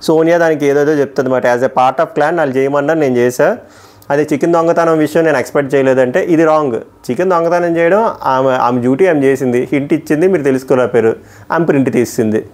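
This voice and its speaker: Male reviewer, quick emphatic delivery, slightly high voice, opinionated casual commentary. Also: darkish tone. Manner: emphatic, opinionated, quickly switching between points. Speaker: TV show reviewer.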